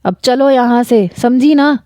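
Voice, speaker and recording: Woman reading as a harsh commanding man, raised pitch when angry, mellow dry tone. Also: no echo, close to an everyday voice. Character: stern, short-tempered man, a widowed father. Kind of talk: dramatic story reading.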